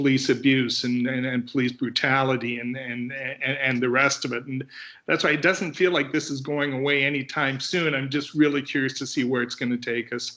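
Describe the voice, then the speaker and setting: A man with a Canadian accent talks at a fairly quick pace and medium pitch. His tone is bright and sharp, his intonation fairly even. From Canada, Ottawa. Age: 60s. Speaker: sports columnist. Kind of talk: casual chat. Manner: halting, many repeated words.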